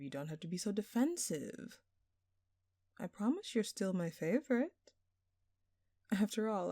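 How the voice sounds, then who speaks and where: A woman's voice: on the low side, warm tone, no room sound. A woman playing a smug, flirtatious jewel thief who taunts a detective with teasing, sarcastic, theatrical phrasing in an audio roleplay. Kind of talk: scripted audio roleplay addressed to the listener.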